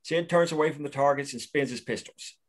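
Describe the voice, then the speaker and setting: Steady man reading stage directions. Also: on the high side, fairly quick. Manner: plain, steady read of action lines. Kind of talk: table read of a screenplay.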